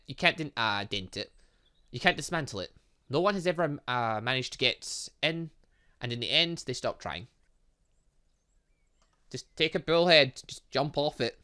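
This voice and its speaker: A man giving animated let's play commentary on a video game, reading dialogue aloud and adding sarcastic asides. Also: mid-range voice. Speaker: gaming channel host.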